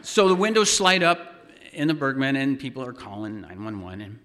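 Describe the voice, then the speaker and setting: A man telling a wry, animated personal story to a live audience, building suspense. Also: medium pitch, normal speed. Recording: long hall reverb.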